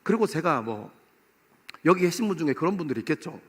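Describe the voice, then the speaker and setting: A pastor in his forties preaching to a young adults service in a church, playful and lively, acting out little scenes. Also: a little high, fast, slightly rough. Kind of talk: sermon. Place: church sanctuary. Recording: long hall reverb.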